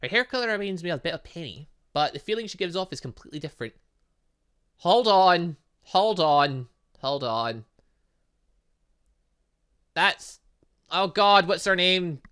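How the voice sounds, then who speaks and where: A man hosting a gaming video, giving casual, excitable and rambling commentary and stumbling as he reads game text aloud. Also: high voice, measured pace, pauses often, clean tone. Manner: excitable, rambling, stumbles over read lines. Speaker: gaming video host, let's play narrator.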